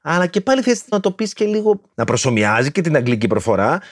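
A man's voice: fairly high pitch, big pitch swings, no echo, clean studio sound. A man hosting a history video, explaining legends in a playful, slangy way full of jokey asides.

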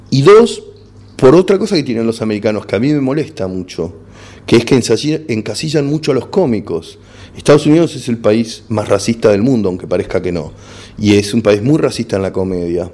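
Mellow-voiced Argentine comedian, frank and halting. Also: male voice, mid-range voice. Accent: Argentine Spanish. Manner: frank, repeats words and restarts while searching for words. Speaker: stand-up comedian guest. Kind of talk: casual interview chat.

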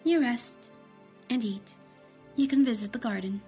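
A woman playing a calm, reassuring clinician in a sci-fi audio drama, gentle and methodical. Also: fairly high pitch, measured pace, faint music behind. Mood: calm reassurance.

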